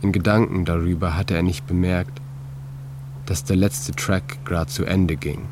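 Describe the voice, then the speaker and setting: Man, deep low voice, measured reflective narration, audible hum behind. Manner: calm, measured, reflective delivery. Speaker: author and narrator. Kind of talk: scripted literary narration.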